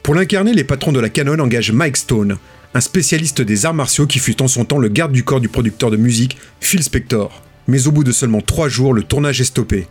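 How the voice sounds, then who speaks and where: A husky male voice narrating a documentary in a measured, storytelling tone, pitched in the middle range. Soft music runs quietly underneath him throughout. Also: expressive.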